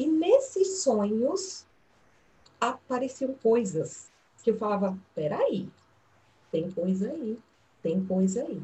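A woman's fairly high, somewhat breathy voice. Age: 50s. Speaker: course participant. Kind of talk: testimony. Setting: video call.

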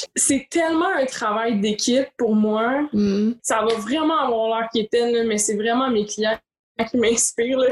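A woman with a Quebec accent speaks in a high pitch, with ordinary pitch variation. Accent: Québécois French. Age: 20s. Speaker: tattoo artist. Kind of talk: casual chat.

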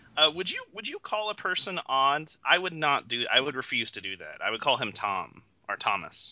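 A man talks at a moderate pace with big swings in loudness and hardly any pauses. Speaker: podcast co-host. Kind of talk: casual chat. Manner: talkative.

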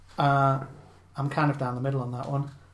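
A man with a northern English accent speaks in a fairly high, somewhat breathy voice with monotone, flat intonation. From northern England. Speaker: podcast host, amateur basketball player. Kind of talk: casual chat.

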